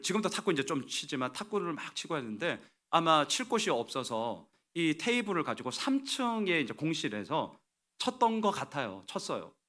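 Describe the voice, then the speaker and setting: A male pastor giving a sermon in a dramatic, animated way, acting out quoted lines. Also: a little high.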